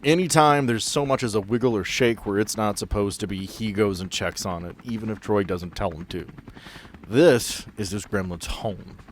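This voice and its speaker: Low-voiced man narrating a tabletop game. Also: moderate pace, a little hiss or hum. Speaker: game master.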